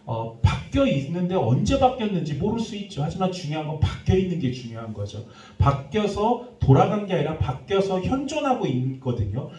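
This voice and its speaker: A middle-aged male pastor preaching a sermon, telling stories in a lively, anecdotal way. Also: sits high, brisk, few pauses. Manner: lively anecdotal storytelling, laughing through it. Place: church sanctuary. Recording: echoey room, speaker far from mic.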